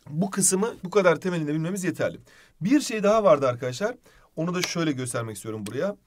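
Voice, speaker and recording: A man with a fairly high voice teaches an online literature lesson. He explains patiently, speaks to his students as friends and writes on the board as he goes.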